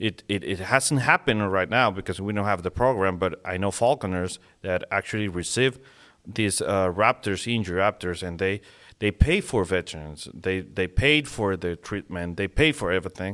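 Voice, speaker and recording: In a Spanish accent, a man speaks at a moderate pace with ordinary pitch variation. His pitch is fairly low, and the recording is very clean with a silent background. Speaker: falconer. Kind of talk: interview. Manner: halting.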